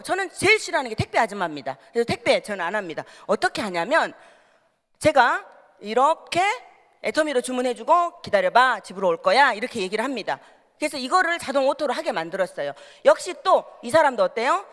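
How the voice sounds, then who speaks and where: A woman from the Gyeongsang region giving a motivational seminar talk, telling stories with frequent questions to the audience. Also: fairly high pitch. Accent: Gyeongsang Korean. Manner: lively storytelling with asides to the audience. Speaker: seminar speaker. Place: seminar hall. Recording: reverberant hall.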